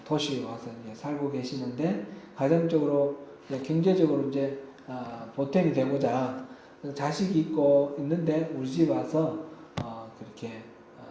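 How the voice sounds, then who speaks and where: A man's voice: mid-range voice, dark tone, slight background noise. A man pastor preaching a midweek sermon in a church, telling personal anecdotes in a conversational way. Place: church sanctuary. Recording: very echoey church hall.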